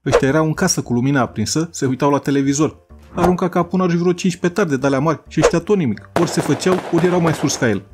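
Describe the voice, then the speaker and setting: A man telling a humorous childhood story in a brisk, colloquial way. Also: on the high side, over music. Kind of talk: casual childhood story narration.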